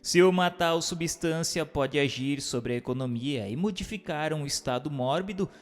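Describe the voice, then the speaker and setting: A man's voice: on the high side, normal speed, soft background music. A man giving a formal, declamatory scripted reading as a narrator, in a question-and-answer style. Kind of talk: scripted dramatized reading of a spiritist book.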